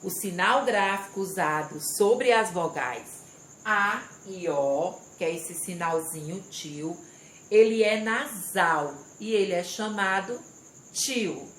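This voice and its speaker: Female schoolteacher, patient and slow, breaks words into syllables; roomy echo, faint insects. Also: mid-range voice, animated, a bit bright. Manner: slow, step-by-step explaining, reading aloud and stressing syllables. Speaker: primary school teacher. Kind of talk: recorded remote class lesson. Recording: echoey room with faint insect noise.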